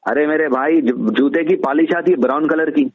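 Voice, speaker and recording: On a tinny narrowband phone line, a man with a Hyderabadi accent talks casually and shares his opinions, laying out his points in repeated lists. His voice is on the high side, slightly rough, at normal speed.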